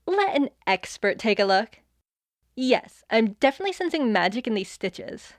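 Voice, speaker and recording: A woman's voice: fairly high pitch, big pitch swings, moderate pace, dry recording, studio quality. A woman playing a breezy, sardonic fairy in an audio comedy drama. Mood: confident, instructive. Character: cocky sarcastic female fairy wielding chaos magic. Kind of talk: audio fiction comedy acting.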